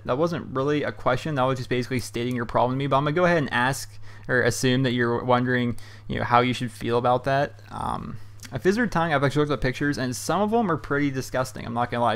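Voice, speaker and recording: Speaking in a mid-range voice, a young YouTube host runs a casual question-and-answer show from his hot bedroom at home. He rambles loosely and chattily, his talk thick with "um" and "you know."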